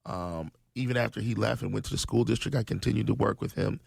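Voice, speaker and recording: A man's voice: lowish voice, fast, creaky, a little mellow, husky, no room sound. A man, a guest in a radio studio, talking earnestly and restarting his sentences often. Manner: earnest, many ums and restarts. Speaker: state legislator guest. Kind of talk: conversational radio interview.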